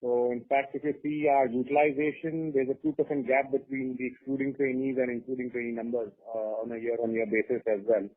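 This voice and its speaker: A man's voice: mid-range voice, flat delivery, fairly quick, few pauses. A man speaking as a company finance executive, giving informal, unscripted answers to analysts on an earnings conference call. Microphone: phone or conference call line. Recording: narrow phone-like conference call line.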